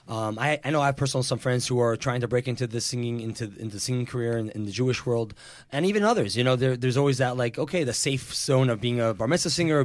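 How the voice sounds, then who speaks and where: A man's voice: mid-range voice, dry recording. A man hosts a casual podcast interview and asks questions with eager interest. He speaks into a close studio mic in a small foam-lined booth. The sound is dry and close. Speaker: podcast host. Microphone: studio mic on desk stand.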